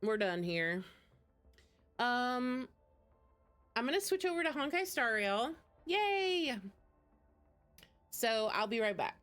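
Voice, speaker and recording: A woman's voice: a little high, big pitch swings, slow, pauses often, fairly bright tone. A woman livestreaming video games, chatting casually and poking fun at herself. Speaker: game livestreamer. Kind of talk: casual gaming stream chat. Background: game music.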